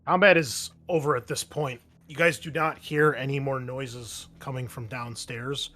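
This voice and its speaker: A man's voice: mid-range voice, steady tone, normal speed, bright, forceful tone. A man running a tabletop roleplaying game as game master, narrating scenes vividly to his players.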